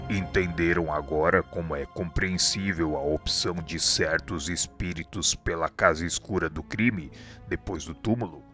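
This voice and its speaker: An actor with a Brazilian accent playing a wise, dignified male spirit instructor, lecturing in a formal, measured, solemn radio drama style. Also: low-pitched, bright, forceful tone.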